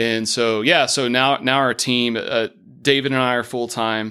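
A man's medium-pitched voice with an American accent, bright and sharp in tone, flat and monotone in delivery, on a very clean recording with a silent background. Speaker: composer. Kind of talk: interview. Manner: halting.

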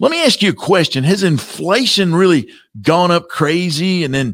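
Animated in tone and lively in intonation, a man speaks with a Southern US accent in a very clean recording with a silent background. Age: 50s. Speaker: investment advisor hosting a radio show. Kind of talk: radio talk show monologue. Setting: studio. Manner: loud.

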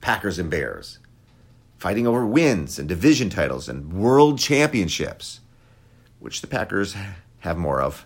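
A man with an American accent at a moderate pace, vocal fry and very wide pitch swings, on a very clean recording with a silent background. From Wisconsin. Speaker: podcast host. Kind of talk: monologue commentary.

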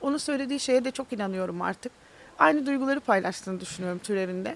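Lively intonation runs through this very fast delivery. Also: woman. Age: 40s. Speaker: chef. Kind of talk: interview. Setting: on location in earthquake zone.

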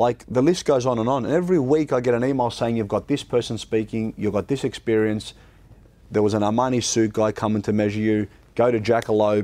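A man with an Australian accent speaks at a fairly quick pace in a medium-pitched, dark, mellow tone. His pitch variation is ordinary, and the background is quiet. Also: very even loudness. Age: 40s. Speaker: podcast host. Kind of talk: interview.

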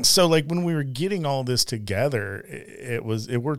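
In an American accent, a medium-pitched man talks at a moderate pace with lively intonation on a very clean recording with a silent background. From Southern California (Anaheim). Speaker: motorcycle industry figure and content creator. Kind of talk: casual interview chat. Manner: casual, with many fillers.

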